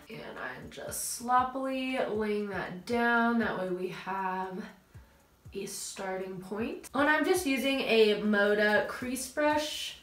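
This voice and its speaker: A young woman with a slightly high, fairly bright voice chats and gushes her way through a makeup tutorial, teasing herself as she goes. Her nose is stuffy, so she sounds nasal. She's a beauty vlogger filming in a small room at home, with reverb in the audio and dogs playing in the background.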